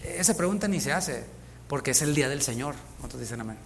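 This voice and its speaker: A man's voice: mid-range voice, expressive, fast, slight background noise. A man preaching a sermon as pastor, speaking with emphasis and putting rhetorical questions to the congregation. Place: church in Houston.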